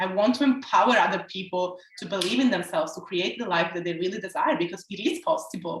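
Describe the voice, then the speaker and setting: Over noticeable background noise, a woman with a slight Italian accent speaks very fast with hardly any pauses, at medium pitch with lively intonation and big swings in loudness. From Italy. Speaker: life coach. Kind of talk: interview.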